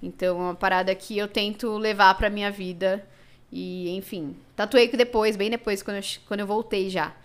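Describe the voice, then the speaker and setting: A woman's voice: mid-range voice, steady tone, fairly quick, clear, resonant tone. A Brazilian woman, a podcast guest, tells a personal story in casual, emotional chat full of fillers. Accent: Brazilian Portuguese.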